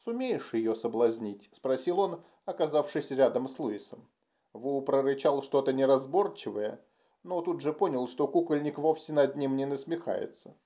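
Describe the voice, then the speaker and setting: Man with a dark, mellow narrating voice. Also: medium pitch. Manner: steady, measured storytelling. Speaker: audiobook narrator. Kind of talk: scripted narration.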